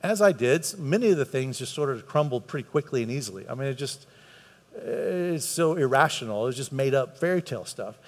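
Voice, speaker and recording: A man's voice: medium pitch, expressive, brisk. A man preaching a conversational sermon to a congregation, earnest and repeating words for emphasis. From United States. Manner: earnest, repeats words for emphasis, voice climbs when stressing a point. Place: church hall with a live congregation. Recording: long hall reverb.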